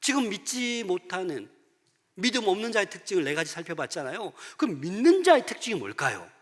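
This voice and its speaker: A male pastor preaching a sermon, with emphatic swings between loud declarations and hushed lines. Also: sits high, very animated, fairly quick. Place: church sanctuary. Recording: long church reverb.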